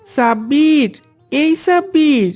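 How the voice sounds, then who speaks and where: A woman's voice: sits high, moderate pace, a little mellow, faint music behind, close to an everyday voice. A woman voicing a dutiful, devout young boy in a cartoon, polite and earnest.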